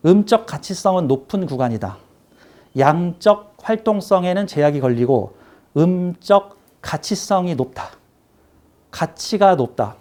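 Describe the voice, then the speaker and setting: A man's voice: fairly high pitch, darkish tone. A man teaching a saju class, explaining a chart with emphatic, repetitive pointing phrases. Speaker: saju lecturer. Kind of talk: classroom lecture.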